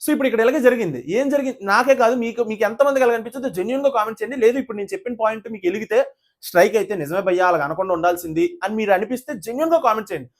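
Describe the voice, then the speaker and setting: Talking very fast in a mid-range voice, this reviewer of reality shows speaks casually to the camera with clear indignation. She keeps firing off rhetorical questions and appealing directly to the audience.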